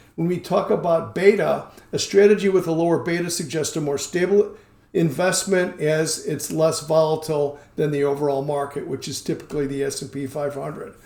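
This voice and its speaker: At a moderate pace, a man with a plain, everyday voice speaks in a fairly high pitch with ordinary pitch variation. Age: 60s. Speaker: market strategist and portfolio manager. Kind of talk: investment podcast presentation walking through slides. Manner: frequent filler words (um, uh).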